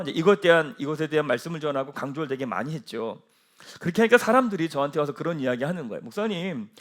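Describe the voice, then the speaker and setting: A man's voice: high voice, fairly bright tone. A male pastor preaching a Sunday sermon and asking his congregation rhetorical questions.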